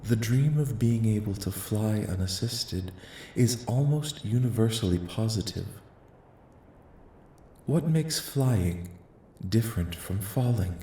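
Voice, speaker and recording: A man voicing a calm, curious, clinical alien researcher in a soft-spoken ASMR roleplay, with measured, formal, detached questioning. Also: fairly low pitch. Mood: detached curiosity. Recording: roomy echo, light background noise.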